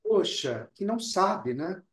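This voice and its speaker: A man being interviewed as an actor, talking earnestly and deliberately, often repeating words as he searches for them, and Italian was his first language. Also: high voice, expressive, roomy sound. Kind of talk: reflective interview talk.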